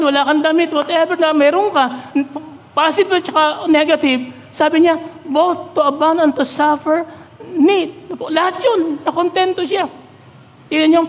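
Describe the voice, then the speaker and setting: A Filipino man preaching from the pulpit in a high voice, his words trailing off into a long church-hall reverb. He reads scripture slowly and deliberately, then breaks off to put questions straight to the congregation. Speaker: pastor. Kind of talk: Taglish sermon.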